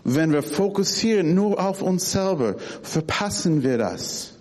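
A middle-aged man preaching a sermon, often halting and repeating words as he searches for them. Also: sits high, expressive, darkish tone. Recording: long hall reverb.

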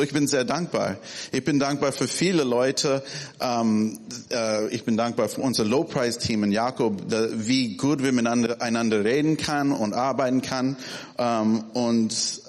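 A man in his forties, not a native German speaker, talking informally to a church gathering, halting and searching for words, with many restarts. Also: medium pitch. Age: 40s. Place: church hall. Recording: reverberant hall.

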